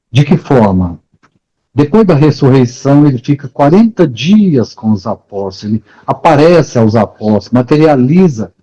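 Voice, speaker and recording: A man's voice: medium pitch, warm tone, muffled recording. A man giving a sermon-like talk, retelling stories and posing rhetorical questions. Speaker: spiritist speaker.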